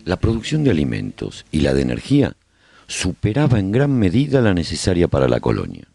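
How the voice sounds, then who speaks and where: A man playing a nostalgic survivor who chronicles colony life in a radio serial, with measured, expressive storytelling. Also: low voice, creaky, husky, faint music behind, full character voice. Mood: earnest, chronicling. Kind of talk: scripted first-person radio drama narration.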